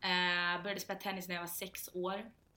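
Her tone is bright and sharp, at a medium pitch. The woman keeps a moderate pace. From Stockholm, Sweden. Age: 20s. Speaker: former college athlete. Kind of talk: casual chat.

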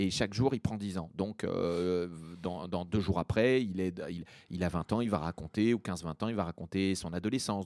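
On a very clean recording with a silent background and a dry, close sound with no echo, a man with a very deep, low voice speaks at a moderate pace with ordinary pitch variation. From Corsica. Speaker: comedian. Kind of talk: casual chat.

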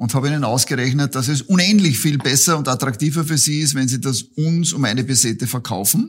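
Speaking with an Austrian accent, a man uses a fairly high pitch and a somewhat breathy voice, with hardly any pauses. The recording is very clean, with a silent background. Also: ordinary pitch variation. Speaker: business angel investor. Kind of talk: interview.

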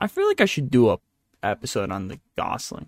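The sound is dry and close with no echo. A man speaks at a medium pitch. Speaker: podcast host. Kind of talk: casual solo news chat. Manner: rambling, stumbling speech.

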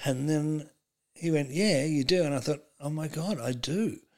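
A man with an Australian accent speaks at a fairly high pitch, using ordinary pitch variation. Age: 60s. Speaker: comedian. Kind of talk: casual chat.

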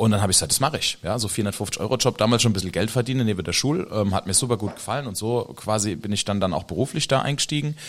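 Someone talks at a very fast pace with lively intonation and hardly any pauses. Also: man, fairly low pitch for a man. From Ludwigshafen, Palatinate, Germany. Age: 30s. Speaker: tram driver. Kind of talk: casual chat.

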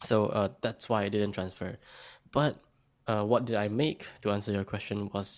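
Intonation stays monotone and flat. A man speaks at a fairly low pitch. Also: very clean recording, silent background. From Malaysia, Kuala Lumpur. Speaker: college student. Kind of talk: casual chat.

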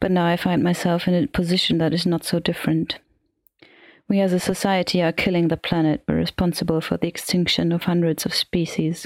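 With a German accent, a woman speaks at a fairly quick pace in a fairly low pitch and fairly even intonation, in a dry, close sound with no echo on a very clean recording with a silent background. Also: very even loudness. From Germany. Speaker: listener caller. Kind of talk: recorded voice message.

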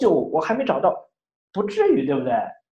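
This is a man speaking. His voice is high-pitched. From Northeast China (Daqing). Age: 30s. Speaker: online English teacher and content creator. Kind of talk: casual interview conversation.

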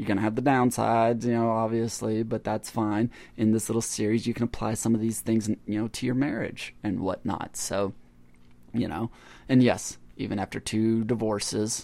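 A dark, mellow voice speaks at a moderate pace with a slight Southern US accent and flat, monotone intonation. The recording is very clean with a silent background. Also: man, medium pitch for a man. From Pennsylvania, US. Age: 40s. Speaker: podcast host. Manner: rambling, self-correcting, conversational; warm, laughs often.

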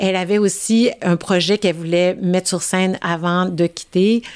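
A woman with a Quebec accent and fairly low pitch at a moderate pace, on a very clean recording with a silent background and a dry, close sound with no echo. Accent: Québécois French. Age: 50s. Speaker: opera singer. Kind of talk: casual chat.

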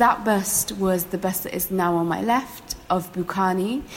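With noticeable background noise behind her, a woman speaks at a medium pitch and a fairly slow pace. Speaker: artist and exhibition curator. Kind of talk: explanatory talk to visitors. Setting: museum gallery.

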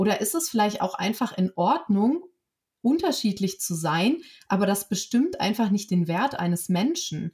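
A somewhat breathy woman's voice at medium pitch, with very wide pitch swings and a moderate pace. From western Germany, Aachen. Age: 30s. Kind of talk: casual chat.

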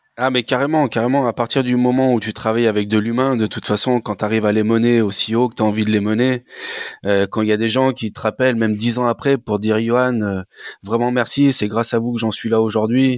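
A man at medium pitch, talking at a fairly quick pace, in a dry, close sound with no echo. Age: 40s. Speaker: entrepreneur, former recruiter and manager. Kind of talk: interview. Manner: animated.

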